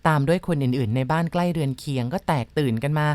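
Woman host, low-set voice, dramatic ghost-story narration, dry close mic. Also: a little mellow, no room sound. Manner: measured, dramatic storytelling with polite particles.

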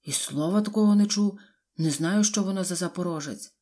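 A woman doing a calm polite homeowner. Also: sits high, fairly quick.

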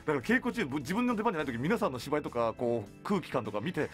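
A man hosts a chatty radio show with quick delivery and lively pitch swings. He is effusive and prone to exclaiming, over soft background music in a studio. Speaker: voice actor. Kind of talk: casual radio chat. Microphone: studio microphone on boom arm.

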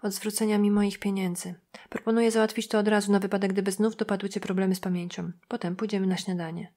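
A woman voicing a guarded female investigator who speaks quietly and matter-of-factly, in an audiobook. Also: medium pitch, little pitch movement, quick pace, close to an everyday voice. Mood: dry. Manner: quiet, restrained and matter-of-fact.

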